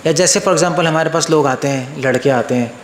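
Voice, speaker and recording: Monk giving an informal talk in an echoey room. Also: male voice, normal speed, slight background noise. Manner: conversational, asks listeners questions, mixes in English words; acts out quoted voices in a lower, softer tone. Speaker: monk and spiritual teacher. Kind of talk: informal Hindi discourse to a live audience.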